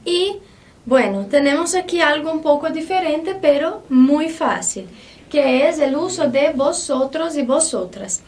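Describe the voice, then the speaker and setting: A woman's voice: high-pitched, lively intonation, unhurried, darkish tone, distant mic, slight background noise. A Brazilian woman with a Brazilian Portuguese accent, teaching a Spanish lesson in a patient way and checking in often with her students. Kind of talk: online language lesson.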